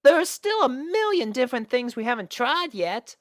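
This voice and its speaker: A woman's voice: high voice, very animated, normal speed, dry recording, studio quality, voice pushed up. A woman voicing an encouraging young female pony with an earnest, optimistic manner in a storybook reading.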